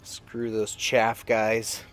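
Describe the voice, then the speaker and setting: A man giving informal, halting, sometimes profane commentary while livestreaming a video game. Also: on the low side, completely flat delivery, fairly bright tone. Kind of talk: casual gameplay commentary with lore asides. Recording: game music behind the voice. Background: video game music and sound.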